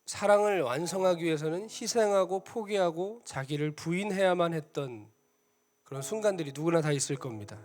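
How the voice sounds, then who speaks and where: A man preaching a sermon as a missionary, telling a story with lively shifts and dropping to a soft hush for quoted voices. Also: on the high side, brisk. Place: church sanctuary. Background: soft instrumental music.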